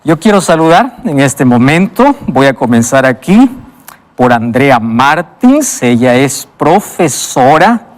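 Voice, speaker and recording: A man hosting a Bible study show in a studio, presenting with emphatic pauses and interviewing guests. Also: medium pitch, very animated, in a large hall. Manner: emphatic, with dramatic pauses and enthusiastic wows.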